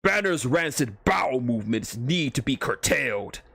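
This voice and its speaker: A man's voice: medium pitch, expressive, normal speed, a bit bright, breathy edge, dry recording, clean studio sound. A man voicing a pompous, indignant armored tyrant with a grandiose, declamatory manner, in a comic story reading. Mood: scornful. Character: pompous, indignant male armored tyrant speaking in third person.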